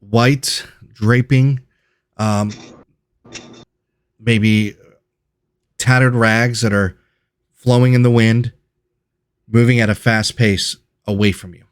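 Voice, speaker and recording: A man's voice: mid-range voice, fairly even intonation, slow pace, long pauses, clear, resonant tone, dry recording. A man narrating as game master of a tabletop game, describing scenes in a loose, self-correcting way.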